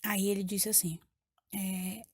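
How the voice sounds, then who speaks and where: Taking it slowly, a woman with a mid-range, breathy-edged voice and a level tone recounts her story in an emotional testimony before a church congregation, repeating phrases. Her accent is Brazilian Portuguese, and the clean studio sound has no echo.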